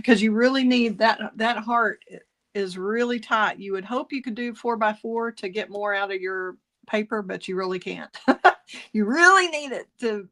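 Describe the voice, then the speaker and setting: At a slightly slow pace, a woman with a medium-pitched, somewhat bright voice leads a casual card-making tutorial. She chats freely, self-corrects, laughs at her own humor, and coughs slightly every so often.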